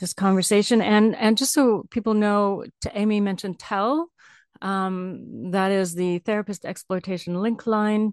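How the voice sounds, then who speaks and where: A woman with a normal speaking voice, medium pitch, ordinary pitch variation and moderate pace, the sound dry and close with no echo over a quiet background. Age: 60s. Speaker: radio host. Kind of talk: interview.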